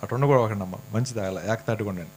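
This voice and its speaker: A man's voice: lowish voice, racing, darkish tone, slight background noise. Teasing man preaching a sermon. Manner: conversational, teasing, asks the congregation questions. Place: church hall.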